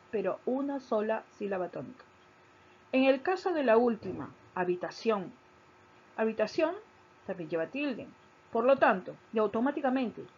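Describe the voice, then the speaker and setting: Woman, teacher, husky voice, explanatory lesson, repeats key points, muffled lo-fi audio. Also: fairly high pitch, a little mellow. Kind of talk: recorded grammar lesson. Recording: dull lo-fi recording.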